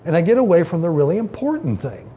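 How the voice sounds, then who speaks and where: A man's voice: fairly high pitch, big pitch swings, quick pace, mellow, slight background noise. A man preaching, teaching scripture in a loose, conversational way, often breaking off to read a quoted passage aloud. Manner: conversational, many fillers and restarts, reads quotations aloud. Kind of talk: informal Bible teaching.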